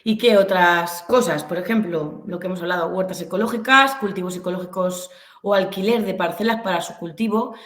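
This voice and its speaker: Spanish woman w/ castilian accent teaching an online class, kinda low voice, hesitant explaining, roomy echo. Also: a little fast. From Albacete, Castilla-La Mancha, Spain. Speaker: webinar presenter, business instructor. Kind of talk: informal online lecture. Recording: echoey room sound.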